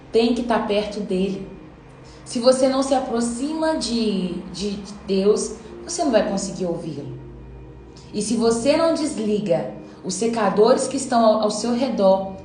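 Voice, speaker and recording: A woman's voice: fairly high pitch, darkish tone, reverberant, poor audio. A woman giving an earnest devotional Bible teaching, acting out quoted voices as she preaches.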